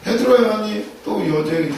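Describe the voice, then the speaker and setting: A man's voice: high-pitched, expressive, moderate pace, creaky, a little mellow. Male pastor delivering an emphatic sermon, heavy room echo from a distant mic. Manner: emphatic, repeats key phrases, asks rhetorical questions. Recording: echoey room, distant mic, faint noise.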